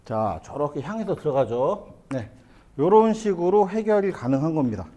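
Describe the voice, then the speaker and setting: A middle-aged man giving a hands-on billiards lesson in a billiard hall, explaining step by step and asking the viewer quick questions as he plays. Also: on the high side, very animated, dark tone. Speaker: billiards instructor. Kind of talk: hands-on lesson, talking while playing.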